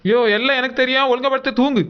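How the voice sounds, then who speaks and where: Actor as a high-pitched scolding cartoon mother. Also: flat delivery, racing, smooth, highs cut off, natural voice. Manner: scolding, muttering, name-calling. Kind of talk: cartoon dub dialogue.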